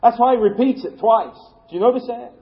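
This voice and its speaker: Male pastor, high voice, chatty sermon delivery, muffled lo-fi recording. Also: a little fast. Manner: folksy, conversational preaching with asides.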